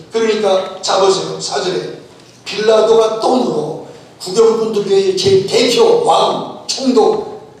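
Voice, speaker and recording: Male pastor, emphatic preacher, fairly high voice, caught from a distance in a big echoey church. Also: darkish tone. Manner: emphatic, urging listeners to listen closely, many rhetorical questions. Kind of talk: sermon. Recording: echoey hall from far off, faint noise.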